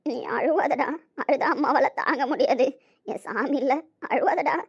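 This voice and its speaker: A woman playing a tender, tearful mother in a scripted family drama, speaking softly and affectionately. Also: sits high, unhurried, creaky, highs cut off. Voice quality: soft, pleading, affectionate. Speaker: mother character.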